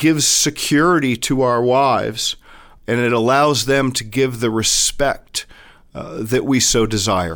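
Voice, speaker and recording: A plain, everyday voice with an American accent moves at a fairly slow pace. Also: man. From US South, Miami. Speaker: financial advisor. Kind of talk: interview.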